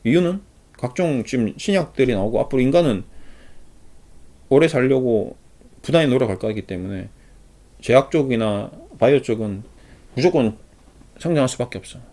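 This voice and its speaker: Guy giving a chatty money lesson, voice jumps all over, mid pitch. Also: normal speed, long pauses. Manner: animated, acts out little scenes with pitch swings. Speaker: stock investing study channel host. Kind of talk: casual spoken lecture.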